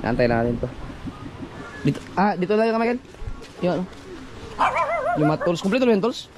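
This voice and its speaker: A man's voice: high-pitched, very animated, fairly quick, heavy background noise. A man talking casually about his boats and engines, bantering with neighbors. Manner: chatty, playful teasing with a child. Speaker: fisherman vlogger. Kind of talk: casual vlog chat. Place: outdoors by the sea.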